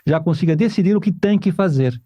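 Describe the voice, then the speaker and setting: A Portuguese man appears as a podcast guest, earnestly explaining Catholic parenting and repeating points for emphasis. His voice is fairly high-pitched and mellow, he speaks fairly quickly, and there's no room sound.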